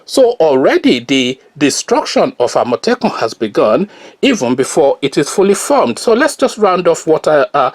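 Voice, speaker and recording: Animated Nigerian man, scornful commentary. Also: on the high side. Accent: Nigerian Yoruba. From Nigeria, Oyo. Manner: scornful, argumentative, many filler pauses. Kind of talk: solo opinion commentary.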